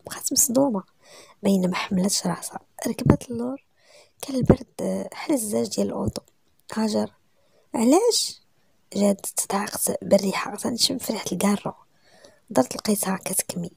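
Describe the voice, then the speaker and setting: A woman with a Moroccan accent narrating a romance story in the first person, often dropping to a hushed whisper. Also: medium pitch, creaky, breathy edge, no echo.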